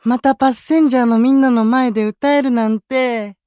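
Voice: mid-range voice, fairly even intonation, fairly quick, dark tone, smooth, dry recording, studio quality, lightly acted. An actor playing an easygoing young male idol in an audio drama, chatting casually in a Kansai accent. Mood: gently excited. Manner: casual, friendly dialect speech. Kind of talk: Japanese audio drama acting.

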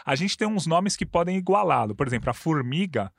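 A man in his thirties with a Brazilian Portuguese accent, talking sports in a casual chat, quick and full of stats. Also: on the high side, animated, creaky, dry recording, clean studio sound. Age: 30s. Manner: quick, detailed stats-heavy talk. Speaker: sports commentator.

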